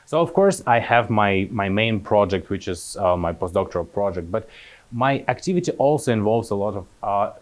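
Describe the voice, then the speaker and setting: A man's voice: fairly low pitch, animated, moderate pace. A man, giving an academic talk as a postdoctoral researcher, hesitant with many fillers and restarts. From Kazakhstan.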